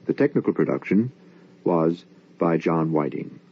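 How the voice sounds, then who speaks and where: A male radio host gives formal closing credits in a deep voice. He takes his time, speaking very slowly. The old recording is muffled. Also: lively intonation, husky.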